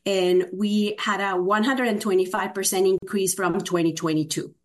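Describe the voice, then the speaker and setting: A woman's voice: medium pitch, fairly even intonation. Spanish-accented woman presenting with many fillers. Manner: frequent "uh" fillers, measured delivery. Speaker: state agency program presenter. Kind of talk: formal presentation to a commission.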